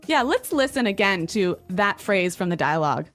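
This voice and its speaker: A woman's voice: medium pitch, very animated, moderate pace, fairly bright tone, faint music behind. A woman with a standard American accent co-hosting a language lesson podcast in a conversational style.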